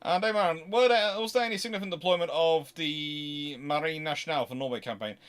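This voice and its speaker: Halting, digressive man hosting casually. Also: a little high, a bit bright, smooth. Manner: halting, digressive, with self-corrections. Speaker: history livestream host. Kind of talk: casual unscripted question-and-answer talk.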